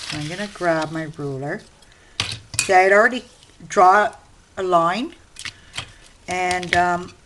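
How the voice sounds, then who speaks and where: A fairly slow pace with long, frequent pauses and ordinary pitch variation, over noticeable background noise. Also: woman, medium pitch for a woman. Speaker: crafting video creator. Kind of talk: tutorial. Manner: casual, chatty with hesitations.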